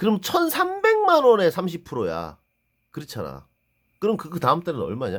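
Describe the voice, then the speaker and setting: Speaking at a very slow pace, a man's voice swings widely in loudness. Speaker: computer seller and video creator. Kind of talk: casual monologue vlog. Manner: rambling, hesitant with fillers.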